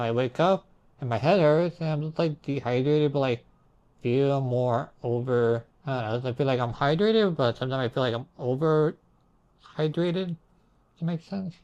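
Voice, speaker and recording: A man's voice: medium pitch, a little mellow, muffled recording. A young man with a mid-range voice recounts his dreams casually. He sounds hazy and puzzled, drifting into asides and circling back as he tries to piece things together. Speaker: storyteller recounting own dreams. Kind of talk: casual rambling storytelling.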